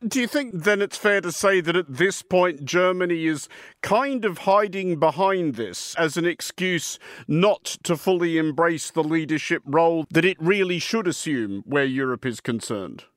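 A man hosting a news radio program, interviewing guests and reading links in a crisp presenter manner. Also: a little high, expressive, moderate pace, fairly bright tone, no room sound, clean studio sound. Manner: crisp, scripted presenter delivery. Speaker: radio host. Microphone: studio mic.

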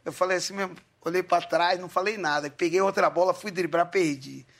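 A man with a high, bright voice tells stories from his playing days. He acts out what others said, shifting between quiet asides and bursts of loud quoted lines. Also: fairly quick, vocal fry. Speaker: guest, former footballer. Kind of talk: casual storytelling chat.

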